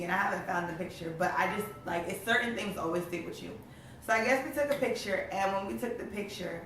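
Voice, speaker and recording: A young woman with a hoarse, raspy voice, chatting casually in a motivational vlog, rambling and saying "like" often. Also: medium pitch, fairly bright tone. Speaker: motivational vlogger. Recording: very echoey room, voice far from the mic, faint noise.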